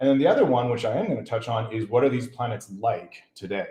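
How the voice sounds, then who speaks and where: Delivered at a very fast pace, the voice sounds somewhat breathy with a dark, mellow tone. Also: man. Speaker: physics professor. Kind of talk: lecture. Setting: seminar room with audience and online viewers. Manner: casual, many fillers.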